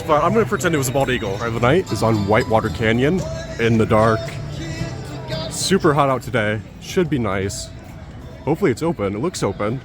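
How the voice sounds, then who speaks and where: A man narrates his own amusement park outing in short, cheerful fragments, talking into a handheld camera outdoors. His voice sits a little high for a man. Loud park music plays behind him. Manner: short, upbeat, clipped remarks. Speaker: theme park vlogger. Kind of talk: casual vlog commentary.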